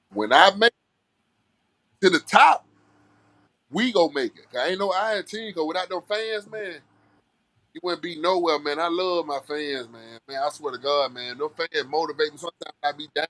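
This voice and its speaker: A music artist from Alabama, speaking with a Southern Black American accent, chats casually and earnestly as an interview guest in a folksy manner. His voice is on the high side and fairly bright, at a moderate pace with no echo.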